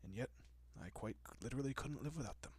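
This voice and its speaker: A man playing a gentle, courteous, possessive vampire in an intimate audio roleplay, speaking softly and often dropping to a whisper with hushed reassurance. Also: mid-range voice, lively intonation, fast, breathy edge. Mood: calm, apologetic. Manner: hushed, reassuring, politely old-fashioned.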